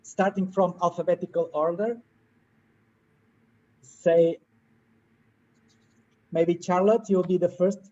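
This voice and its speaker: A man's voice: high-pitched, fairly even intonation, takes it slowly, pauses often, dark tone. A man hosting a workshop on a video call, polite and hesitant, with many fillers. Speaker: workshop host. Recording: dull lo-fi call audio with faint hiss.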